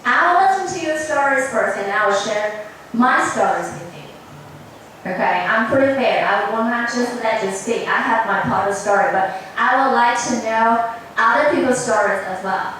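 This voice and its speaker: A woman's voice: fairly high pitch, expressive, moderate pace, fairly bright tone. A woman facilitating a workshop, informally prompting a group to speak and share. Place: indoor room at a teachers' workshop. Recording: echoey room, distant mic, faint noise.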